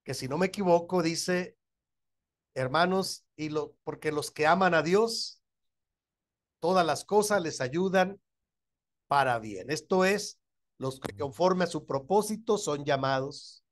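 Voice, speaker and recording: Mexican pastor lecturing a church class. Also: male voice, a little high, a little slow. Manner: keeps checking in with the listeners, chuckles often.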